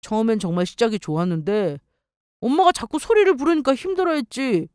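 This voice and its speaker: A woman's voice: fairly high pitch, a little fast, darkish tone, smooth, no echo, studio quality, natural voice. A woman voicing a clingy, self-pitying ex-husband in a dramatized story reading, pleading and whining. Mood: complaining. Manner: whiny, pleading.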